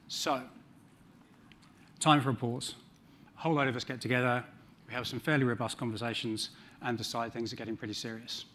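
A man's voice: mid-range voice, a bit bright, a little hiss or hum. A middle-aged man with a New Zealand accent giving a conference talk on a large stage, with dry humor and frequent ums. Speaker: conference speaker.

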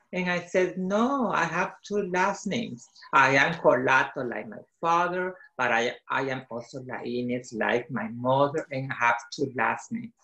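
A middle-aged Salvadoran man, a children's author with a Salvadoran Spanish accent, explains and reads a picture book aloud over a video call. His medium-pitched voice is creaky, pushed and bright. He's in a small home office using a computer mic, and the call sounds roomy and echoey.

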